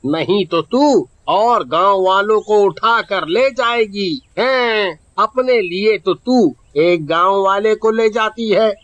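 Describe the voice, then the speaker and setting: A man playing a frightened village man who gossips excitedly about a monster attacking people. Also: high-pitched, slow. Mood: angry. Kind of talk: storybook narration.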